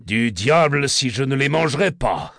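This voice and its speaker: A male narrator voicing a menacing, rough escaped convict who speaks slowly and threateningly. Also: expressive, fairly bright tone, dry recording, studio quality. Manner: slow, threatening, low delivery.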